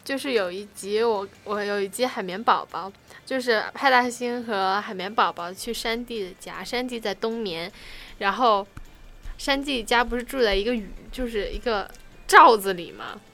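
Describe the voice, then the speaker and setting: A woman's voice: medium pitch, normal speed, vocal fry, pushed and bright. A young woman co-hosting a casual late-night chat show, telling stories in a rambling way with lots of fillers. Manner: rambling storyteller, many fillers. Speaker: co-host.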